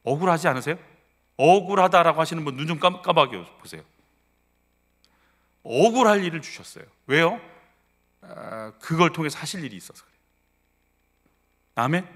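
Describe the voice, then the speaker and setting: A man's voice: on the high side, animated, normal speed, long pauses, a bit bright. A middle-aged male pastor preaching, asking the congregation direct questions and leading them through scripture readings aloud. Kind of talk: sermon. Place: church sanctuary. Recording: church hall reverb.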